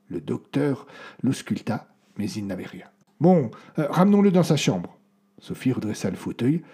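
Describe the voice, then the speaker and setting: A man reading a story aloud as narrator, expressive and shifting his voice between characters. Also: slightly rough. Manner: expressive, varies pitch widely between characters. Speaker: audiobook narrator. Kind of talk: scripted narration.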